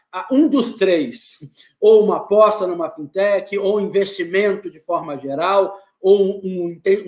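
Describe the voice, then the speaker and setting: High-voiced Brazilian moderator in echoey room. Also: male voice. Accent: Brazilian Portuguese. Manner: warm, informal, restates the question. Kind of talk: moderating a panel.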